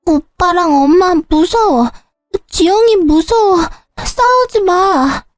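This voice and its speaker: A woman voicing a frightened, childlike young daughter who pleads in a high voice, in a narrated story. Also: expressive, slow, no room sound, studio quality, soft background music, exaggerated voice.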